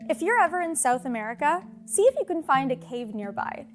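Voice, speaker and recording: A woman with a high-pitched voice narrates a scripted nature documentary. She presents as the host of an animal show, and music plays softly behind her. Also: sing-song, brisk.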